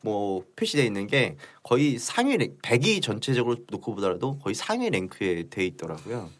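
A man's voice: fairly low pitch, sing-song, a little fast. A man co-hosting a podcast and chatting casually. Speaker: podcast co-host. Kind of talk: casual chat.

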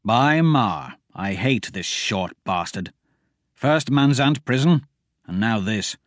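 A man voicing a grumbling male thief who speaks in a gruff, curt way. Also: medium pitch, lively intonation, slow pace, no echo, studio quality.

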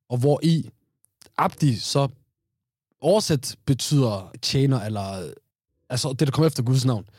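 A man's voice: mid-range voice, dark tone, slightly rough, no room sound, studio quality. A man in casual podcast chat, telling stories with slang, frequent restarts and laughter. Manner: laughing storyteller, slang-laced, many restarts.

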